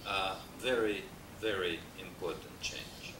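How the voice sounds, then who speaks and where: A man's voice: low voice, animated, takes it slowly. An older man from Austria with an Austrian German accent, giving an academic lecture at a desk microphone, hesitating often and adding dry asides. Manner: discursive, frequent hesitations, dry humor. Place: wood-paneled lecture hall. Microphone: desk mic on stand. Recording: roomy, distant, noisy VHS transfer.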